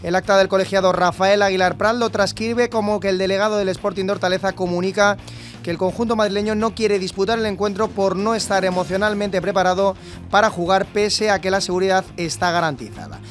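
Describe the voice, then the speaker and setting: A man reading radio sports news in a brisk, scripted way. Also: high-pitched, steady tone, soft background music. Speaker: sports reporter.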